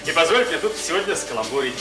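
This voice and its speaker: Brief: pompous, slightly high-voiced toastmaster, halting speeches, radio drama, music behind. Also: male voice, sing-song. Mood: pompous, festive. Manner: halting, speechifying, padded with filler phrases. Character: pompous male toastmaster at a banquet table. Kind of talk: Soviet radio play acting, banquet toast. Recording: echoey, distant mic, music behind.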